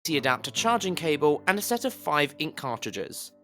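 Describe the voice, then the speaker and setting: Over-articulating male narrator with lively intonation. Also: a little high, brisk. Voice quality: over-articulated, slightly pushed delivery. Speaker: voice actor on a demo reel. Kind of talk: scripted commercial and instructional narration. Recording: roomy, reverberant home recording, music bed. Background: music bed in places.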